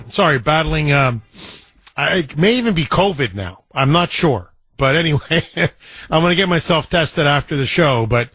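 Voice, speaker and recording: A male talk radio host, congested with a scratchy throat, telling stories in an animated way with sound effects. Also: fairly high pitch, moderate pace, slightly rough, no room sound. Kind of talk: talk radio monologue and caller chat. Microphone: studio microphone.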